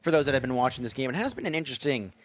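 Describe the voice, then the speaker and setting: A young man calling a baseball game on the radio from a ballpark press box, steady in tone and lifting his voice on big plays. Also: medium pitch, very fast. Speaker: play-by-play announcer.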